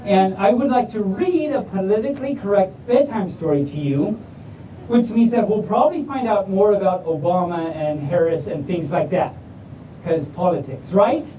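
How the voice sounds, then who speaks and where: A woman's voice: moderate pace, mellow. A woman reading stories aloud to a live audience in a playful, silly way, rambling off into self-deprecating asides. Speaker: storyteller reading picture books to an audience. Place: large room at a live convention event. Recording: roomy, distant mic with faint rumble.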